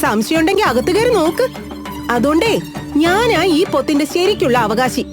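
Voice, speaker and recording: A stubborn, possessive cartoon bird. The voice is high and very animated, insisting on its claim. Music plays behind. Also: female voice, a little fast. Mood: stubborn, quarrelsome. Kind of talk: children's cartoon dialogue.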